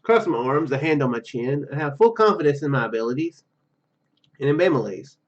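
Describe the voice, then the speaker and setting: A man's voice: medium pitch, lively intonation, fairly quick, muffled recording. A man hosting a gaming video, reading game text aloud and commenting as he plays.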